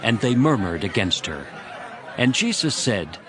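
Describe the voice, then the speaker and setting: A man's voice: fairly low pitch, big pitch swings, a little slow, crowd noise. A man narrating scripture from a script for a dramatized audio Bible. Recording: music behind the voice. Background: background music.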